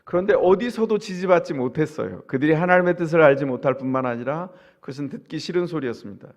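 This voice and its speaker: A man's voice: on the high side, lively intonation, quick pace. A male pastor from the Chungcheong region gives a sermon in a conversational style, often asking his listeners questions. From Chungcheong, South Korea. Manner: conversational preaching, asks the congregation rhetorical questions.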